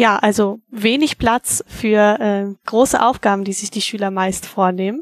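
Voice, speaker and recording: A woman's ordinary speaking voice at a fairly slow pace with hardly any pauses, fairly even intonation, and a dry, close sound with no echo. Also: medium pitch for a woman. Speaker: competition organizer. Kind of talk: casual interview.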